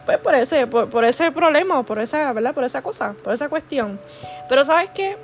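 Earnest woman, pitched high. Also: lively intonation, moderate pace, faint music behind. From Puerto Rico. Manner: earnest and affectionate, with constant "¿verdad?" tags and restarts. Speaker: podcast host sharing a devotional. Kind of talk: heartfelt devotional talk.

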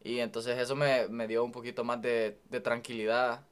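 A man's voice: mid-range voice, flat delivery, moderate pace, clean tone. A man in his twenties with a Salvadoran accent, a student talking easily and reflectively as a podcast guest. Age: 20s. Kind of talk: casual podcast conversation.

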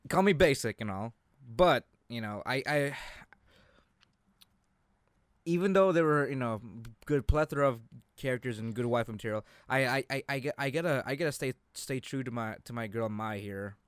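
A young man co-hosting a casual anime chat, haltingly repeating words as he searches for his phrasing. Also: medium pitch, clean tone, no room sound. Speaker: co-host of an anime discussion show.

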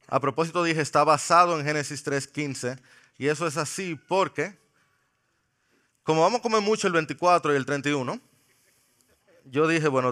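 A man preaching a sermon in a church, playful and joking with the congregation, slowing down to stress key words. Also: mid-range voice, fairly bright tone. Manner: slows for emphasis on key words. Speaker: pastor. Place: church sanctuary.

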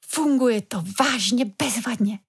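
A woman's voice: on the high side, husky. A woman voicing an anxious little girl. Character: anxious imaginative young girl.

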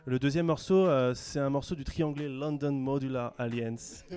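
A man hosting a casual radio chat show, relaxed and hesitant, with many fillers. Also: medium pitch, normal speed. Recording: music playing faintly behind.

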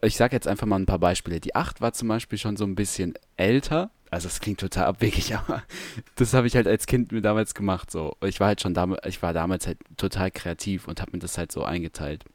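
A man co-hosting a podcast in casual chat, talking haltingly with lots of fillers and restarts. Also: low-pitched, dry recording. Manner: hesitant, many fillers and restarts. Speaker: podcast co-host.

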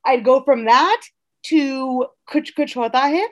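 A woman's voice: sits high, takes it slowly. A woman in her thirties co-hosting a podcast, talking casually and conversationally. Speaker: podcast host.

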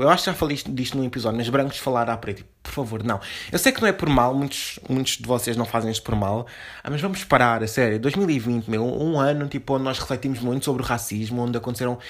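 A young man from Portugal, hosting a podcast from home in a slangy, casual monologue full of fillers and restarts. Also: medium pitch. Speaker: podcast host. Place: home room.

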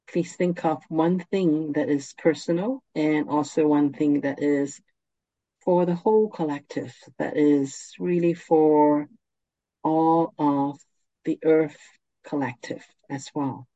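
A meditation guide speaking in a soft, soothing, gentle way, unhurried and with long pauses. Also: mid-range voice, dry recording, lo-fi sound.

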